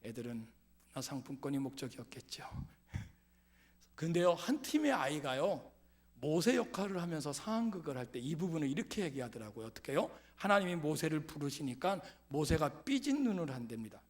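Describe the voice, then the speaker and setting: A middle-aged man preaching a sermon to his congregation, asking them questions and swinging from loud calls down to whispers. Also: a little high, very animated, fairly quick. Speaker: pastor. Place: church sanctuary.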